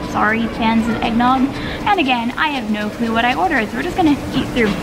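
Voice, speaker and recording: The speech moves at a fairly quick pace with ordinary pitch variation. Music plays clearly in the background. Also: woman. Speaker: food reviewer. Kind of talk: casual vlog chat. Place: cafe. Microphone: phone near.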